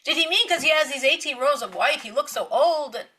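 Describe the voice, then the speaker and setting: A woman giving a spiritual Torah lecture, telling stories with lively emphasis, repeating words and laughing lightly between points. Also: high-pitched, brisk. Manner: animated storytelling with emphatic repetition. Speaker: Torah teacher.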